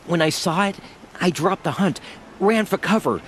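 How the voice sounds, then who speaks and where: Expressive, nervous tribal hunter. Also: male voice, high-pitched, moderate pace, slight background noise. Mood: defensive. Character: proud but nervous tribal hunter, superstitious. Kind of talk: video game dialogue acting.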